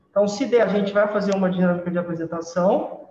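A high-pitched man's voice carries audible room echo. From Brazil, São Paulo state (São Joaquim da Barra); São Paulo state, Brazil. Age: 20s. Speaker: teacher. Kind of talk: lecture. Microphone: webcam.

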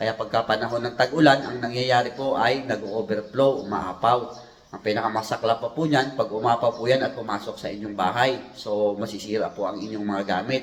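There is noticeable background noise as a man talks fairly quickly. His voice is medium in pitch with fairly even intonation. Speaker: construction and home repair vlogger. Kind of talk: tutorial. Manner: polite, formal address.

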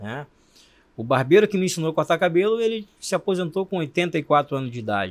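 A man speaks at a high pitch. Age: 40s. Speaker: barber and image consultant. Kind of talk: studio interview. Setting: studio. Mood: reflective, proud. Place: studio. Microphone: studio mic.

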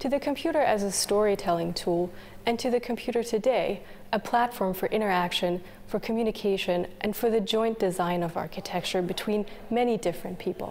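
A fairly quick pace with very even loudness and ordinary pitch variation, over light background noise. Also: woman. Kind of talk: guided tour presentation. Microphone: lapel.

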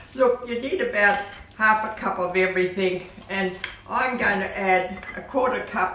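Here a woman speaks at a fairly slow pace with fairly even intonation. There is audible room echo and light background noise. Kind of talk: tutorial. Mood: warm, cheerful. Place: kitchen. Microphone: camera far.

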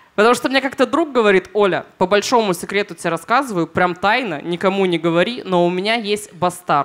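Against a quiet background, a woman talks at a fairly quick pace with hardly any pauses, lively intonation and very even loudness. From Saint Petersburg, Russia. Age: 30s. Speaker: stand-up comedian. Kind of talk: stand-up comedy set, with crowd banter. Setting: stage with live audience, on a boat. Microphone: handheld.

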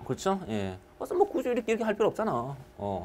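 A man's voice with very wide pitch swings. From South Korea. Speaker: admissions interview prep teacher; teacher. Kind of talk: online lecture. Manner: casual, repetitive filler-heavy. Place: studio. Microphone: lapel.

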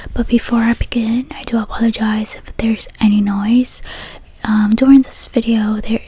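A soft-spoken woman with an American accent talks at a fairly slow pace in a flat monotone, her pitch fairly high, the sound dry with no echo. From Florida, USA. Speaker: ASMR YouTuber. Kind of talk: ASMR soft-spoken unboxing haul, casual talk to camera. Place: home room. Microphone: studio mic.

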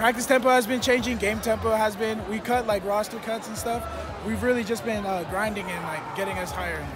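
Against noticeable background noise, a man speaks at a fairly quick pace in a dry sound with no echo. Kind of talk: interview answer. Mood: happy, laughing after win. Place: stadium. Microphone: phone near.

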